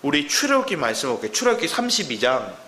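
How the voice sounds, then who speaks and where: A man preaching a Sunday sermon as pastor, animated, acting out the voices he quotes. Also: a little high, quick pace, a little hiss or hum. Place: church sanctuary. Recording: echoey church hall.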